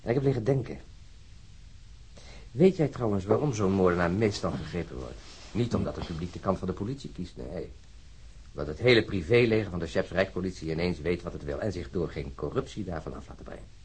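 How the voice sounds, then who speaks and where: Radio crime drama: argumentative male policeman, wry and musing, low husky voice with lively swings. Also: fairly quick, heavily acted, rough recording.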